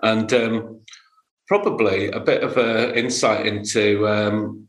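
A man with a fairly low voice talks casually about marketing, restarting and repeating words as he goes. The recording has a noticeable roomy echo. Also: steady tone, takes it slowly. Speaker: podcast co-host. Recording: echoey room.

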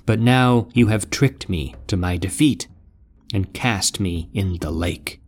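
A man's voice: sits low, slow. A man voicing a doomed male mouse in a storybook epic, speaking with solemn gravity. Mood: defiant. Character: doomed male mouse, fearful then defiant.

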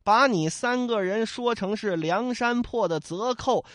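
A male storyteller voicing a young inn waiter who complains in a shrill, whining way. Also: unhurried, fairly bright tone, dry recording, studio quality. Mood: threatening.

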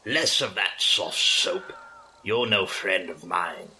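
A man voicing a demented, hostile old male vagrant with an aged, weary, cracking voice and slow, growling rants. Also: low voice, pushed and bright, exaggerated voice, poor audio. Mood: suspicious. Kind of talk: audiobook character voice.

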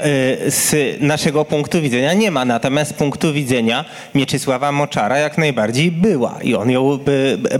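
A young adult man, a historian, explaining an answer at a public discussion, searching for words as he goes. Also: a little high. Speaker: historian on a panel.

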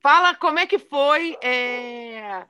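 A woman's voice: sits high, expressive, slow, bright, forceful tone, clean tone. A woman hosting an interview podcast, encouraging her guest and talking with frequent fillers. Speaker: podcast host.

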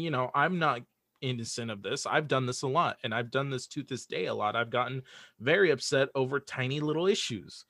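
A man's voice: on the high side, a bit bright, no echo, clean studio sound. A man speaking as a podcast guest in casual, opinionated conversation, earnest and emphatic, often repeating his points. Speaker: podcast guest, audio drama creator.

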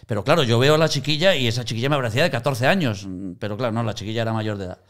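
A man's voice: mid-range voice, very fast. A man in conversational teaching on Christian mission, telling anecdotes and acting out quoted voices. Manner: animated storyteller, acts out quoted voices.

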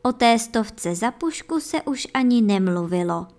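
A woman narrates a folk fairy tale for listeners young and old. Her voice sits somewhat high, and she reads with lively expression, leaning into the turns of the story. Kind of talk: fairy tale read aloud.

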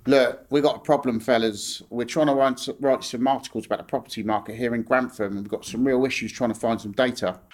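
A man's voice: medium pitch, steady tone, fast, few pauses. A man playing a chatty caller in a comic ad, heard over a phone on speaker, matey and calling everyone lads. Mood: chummy. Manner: blokey, matey, addresses listeners as lads.

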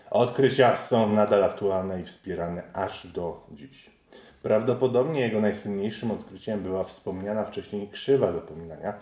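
A man giving a scripted, measured explanatory narration for an educational video. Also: on the low side, dark tone. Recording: roomy echo.

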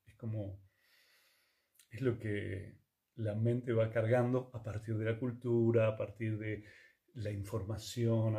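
A man, teaching yoga and conscious communication in a calm, reflective talk full of rhetorical questions. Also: lowish voice. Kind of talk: reflective spiritual talk to listeners.

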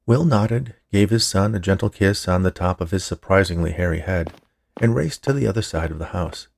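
A man's voice: low voice, moderate pace, vocal fry, a little mellow. A man reading a scripted short story in the manner of an audiobook narrator. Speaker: writer, narrator and producer of a fiction podcast.

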